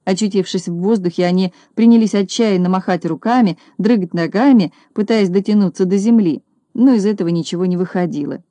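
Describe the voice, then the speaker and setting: A woman narrating a children's storybook, steady and expressive. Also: mid-range voice, a little fast, dry recording. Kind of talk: storybook reading.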